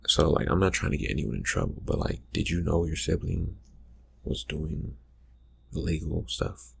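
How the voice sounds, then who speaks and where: A man playing a calmly threatening vampire confronting a friend in a soft-spoken, halting ASMR roleplay, with a husky, gravelly voice. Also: exaggerated voice. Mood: quietly suspicious. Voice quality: low, husky, gravelly, often breathy. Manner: hesitant, halting, quietly insinuating.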